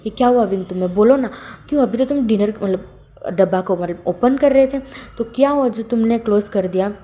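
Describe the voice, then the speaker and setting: A woman's voice: fairly high pitch, a little fast, warm tone, lightly acted. A woman voicing a worried young man who presses his friend with questions. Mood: pressing. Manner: insistent questioning.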